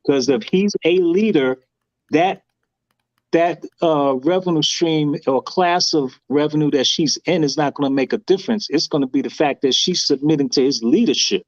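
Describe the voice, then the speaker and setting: A man speaking in a deliberate, opinionated way in a casual panel discussion. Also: a little high, no room sound, dull audio.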